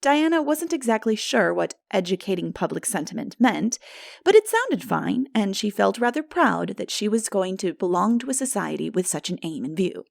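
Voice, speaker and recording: A woman reading literary narration as an audiobook narrator, in an expressive, measured storytelling manner. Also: mid-range voice, vocal fry, no room sound, clean studio sound.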